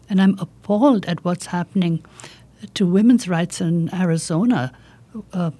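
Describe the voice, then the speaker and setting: A woman in her fifties speaks with a slight South Asian accent and a soft-edged, husky tone. She gives earnest, conversational interview answers in deliberate short phrases, her timbre dark and mellow. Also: lowish voice. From India and Pakistan. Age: 50s. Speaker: political candidate, interview guest.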